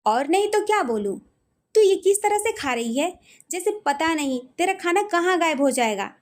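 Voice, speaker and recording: A woman's voice: very high voice, expressive, normal speed. A woman voicing a teasing older brother who banters mockingly with his sister.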